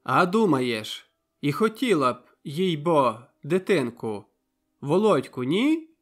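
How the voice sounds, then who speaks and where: A male audiobook narrator voicing a tender, anxious young woman who asks soft, half-whispered questions. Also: on the high side, sing-song, takes it slowly, faint music behind, exaggerated voice. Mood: tender, pleading.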